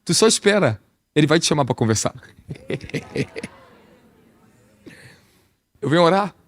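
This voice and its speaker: This apostle's sermon comes slowly from a man with a fairly high pitch; he stays lively and conversational, asks many rhetorical questions, and carries a Brazilian Portuguese accent.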